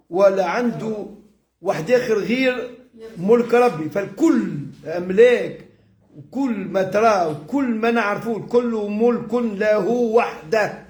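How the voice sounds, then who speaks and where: High-pitched Tunisian man teaching, echoey room. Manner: explanatory, repeats and rephrases with everyday examples. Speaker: religious teacher, sheikh. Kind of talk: informal religious lesson mixing classical Arabic and dialect.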